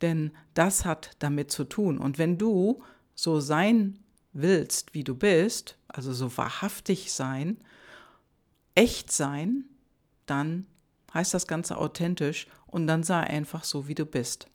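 A woman's voice: low-pitched, slow pace, a little mellow. A woman hosting her own podcast, talking directly to the listener in a chatty, reflective monologue full of rhetorical questions. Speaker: podcast host.

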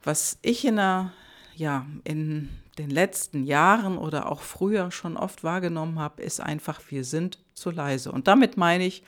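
A woman's voice: deep voice, a little slow. A woman hosting her own podcast, talking directly to the listener in a chatty, reflective monologue full of rhetorical questions. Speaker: podcast host.

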